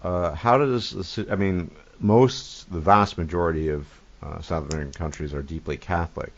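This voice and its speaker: A man with an extremely deep voice hosts a casual interview. He speaks haltingly, restarts his phrases and drops dry, sardonic asides. The sound is dull and lo-fi. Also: slight background noise. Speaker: host and interviewer. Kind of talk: casual conversation, asking questions.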